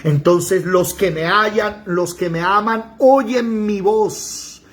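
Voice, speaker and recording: A man teaching a Bible study, firing rhetorical questions and breaking into shouted pleas. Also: high voice, slow.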